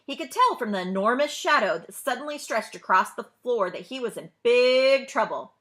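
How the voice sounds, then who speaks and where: Librarian lady doing a read aloud for kids, super lively pitch, bright voice, chats to the listeners. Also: normal speed. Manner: expressive, addresses young listeners with questions. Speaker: librarian storyteller. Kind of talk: children's read-aloud narration.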